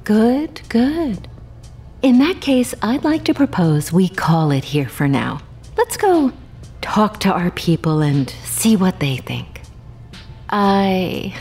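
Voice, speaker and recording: Husky, slow, haughty infernal envoy. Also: female voice, medium pitch, dark tone, heavily acted. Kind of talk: audio drama acting. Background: music.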